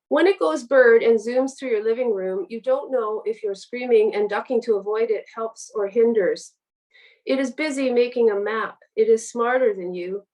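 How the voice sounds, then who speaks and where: A woman's voice: fairly high pitch, a little mellow, distant mic, poor audio. A woman guest author speaking on a literary podcast. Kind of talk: literary reading and podcast conversation.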